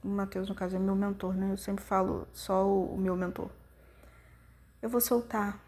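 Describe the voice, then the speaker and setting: A Brazilian woman hosting a podcast, telling a personal story in an intimate, reflective way with many pauses. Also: mid-range voice, completely flat delivery, darkish tone. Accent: Brazilian Portuguese. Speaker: podcast host.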